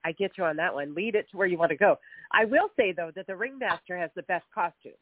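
A woman's voice: on the low side, fast, no room sound. A middle-aged woman hosting a radio interview, upbeat and chatty, stuffed up with a cold. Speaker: radio show host. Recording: tinny phone-like radio audio with faint music.

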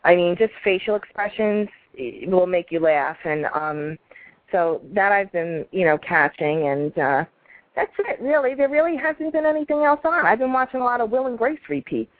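A woman's voice: mid-range voice, lively intonation, moderate pace, no echo. A woman chatting casually and bluntly as a phone-in co-host. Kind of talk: casual chat. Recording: dry tinny phone line.

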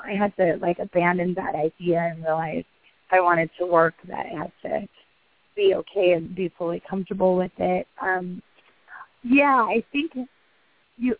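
A woman in her thirties with a husky voice, an actress guest talking casually in a rambling, chatty way with many restarts. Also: lowish voice, no echo. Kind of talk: phone interview. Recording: tinny phone line.

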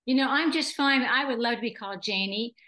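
A woman's voice: on the high side, fairly quick, pushed and bright. Gracious woman in her eighties. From Southern California. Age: 80s. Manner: gracious, enthusiastic, laughs easily. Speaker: guest. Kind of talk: casual interview chat.

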